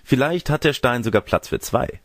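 A man's voice: medium pitch, animated, moderate pace, no room sound, studio quality, pitched above the performer's own voice. A man voicing a suave, coaxing young cavalier, a sorcerer in disguise, in a storybook reading. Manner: smooth-talking, coaxing, gallant.

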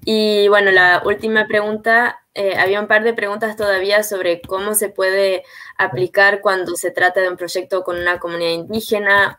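A woman's voice: medium pitch, fairly bright tone. Young woman moderating a webinar. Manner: friendly, reads audience questions aloud. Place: home room with bookshelves, indoors. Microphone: video call.

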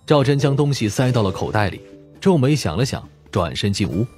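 A man narrates an audiobook in a mid-pitched voice with animated, lively phrasing. His delivery is scripted storytelling, with faint music underneath. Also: brisk. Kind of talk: scripted narration of a mystery novel.

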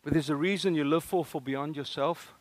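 A man from South Africa with an Afrikaans accent, preaching an animated sermon and asking the room questions. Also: on the high side, fairly quick, dry recording. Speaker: guest preacher.

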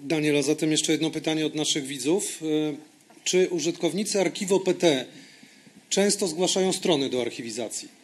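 A man's voice: a little high, fairly quick. Polite man moderating a conference Q&A. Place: conference hall, at a lectern.

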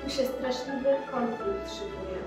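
A young woman narrates a school nativity play in steady rhyme. Her voice is fairly high and heard from far off. A very echoey hall carries it over clear music. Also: a little slow. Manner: steady storytelling in verse.

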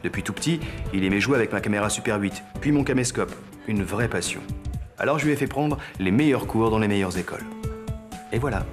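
A middle-aged man playing a self-important businessman father in a parody TV advert, delivering slogans deliberately and easily exasperated. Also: fairly low pitch, music in the background, lightly acted. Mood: solemn, proud. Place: studio set.

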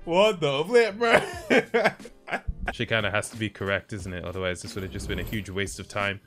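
A man reacting excitedly on a live stream, laughing often and swearing. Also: fairly low pitch, moderate pace, over music.

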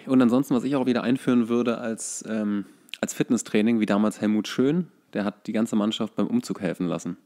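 A man's voice: fairly low pitch, fairly quick, mellow. A man chatting casually about football as a podcast co-host, often searching for his words.

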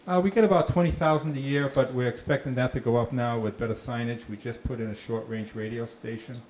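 Speaking quickly in a mid-range, slightly dark voice with fairly even intonation, this man is a park ranger with a Boston accent. He holds a mic for an informal talk and audience questions in a small, dim meeting room with a slide screen, chatting with lots of restarts and dry humor. Audio is echoey with faint noise.

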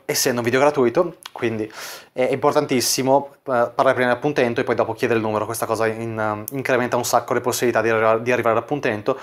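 A man working as a dating coach, casually explaining chat screenshots and leaning on filler words as he talks. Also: mid-range voice. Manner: casual, full of "quindi" fillers.

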